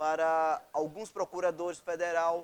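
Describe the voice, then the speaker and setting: The recording is very clean with a silent background, and the speech moves at a fairly slow pace. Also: man. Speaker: Portuguese language teacher. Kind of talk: lecture. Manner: animated.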